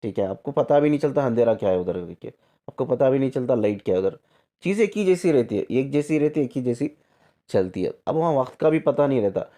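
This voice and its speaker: A man's voice: medium pitch, expressive, fast, dark tone. A male spiritual coach explaining his ideas, asking rhetorical questions and checking in with the listener over and over, with English phrases slipped into Hindi. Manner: repetitive, rhetorical questions, frequent "theek hai" checks. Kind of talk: explanatory talk to camera.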